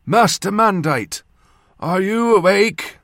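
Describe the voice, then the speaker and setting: A man voicing a reassuring old ship's surgeon in an audiobook, talking loudly and briskly to his patient. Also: sits high, lively intonation, no echo, studio quality, pitched above the performer's own voice, heavily acted. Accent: northern. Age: older. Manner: loud, reassuring, brisk bedside talk. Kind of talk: audiobook character voice.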